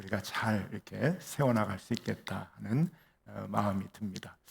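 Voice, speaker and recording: This man's fairly low voice carries vocal fry. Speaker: guest preacher. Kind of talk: sermon. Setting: church evening service. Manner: calm, sleep-inducing delivery.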